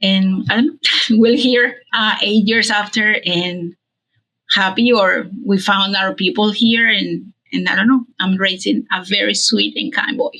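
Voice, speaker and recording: Bright-voiced Venezuelan woman. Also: medium pitch, steady tone, a little slow, rough recording. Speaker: podcast panel guest. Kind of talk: personal reflection in casual conversation.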